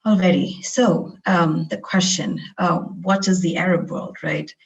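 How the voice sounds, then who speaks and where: Chatty woman from India, gravelly voice. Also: on the low side, fairly even intonation, unhurried, poor audio. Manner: conversational, frequent fillers and restarts. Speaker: guest lecturer. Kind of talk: webinar lecture. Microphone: video call.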